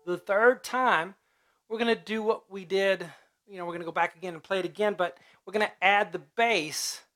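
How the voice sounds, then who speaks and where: A man with a high voice teaching a piano piece step by step, chatting casually as he calls out note names and hums the riffs. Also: steady tone, moderate pace. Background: loud piano playing.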